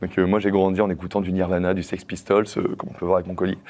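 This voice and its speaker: Very fast and in a monotone, flat intonation, a man speaks with a very deep, low pitch. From France. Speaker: YouTuber and actor. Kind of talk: interview storytelling.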